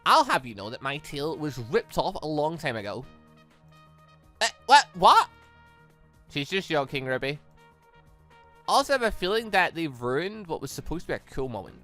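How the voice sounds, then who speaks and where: A host reading a visual novel aloud in an animated, rambling way, slipping between the script and off-the-cuff reactions. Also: medium pitch, moderate pace, pauses often, faint music behind. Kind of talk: lively read-along commentary with ad-libbed asides.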